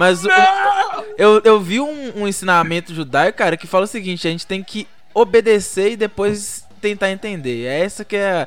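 Over noticeable background noise, a man talks in a high pitch with ordinary pitch variation and big swings in loudness. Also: moderate pace. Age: 20s. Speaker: radio host. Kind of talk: casual chat.

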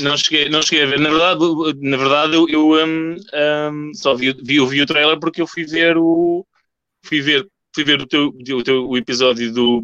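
A man speaks with a fairly high pitch and a bright, sharp tone. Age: 30s. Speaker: podcast host. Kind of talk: casual chat.

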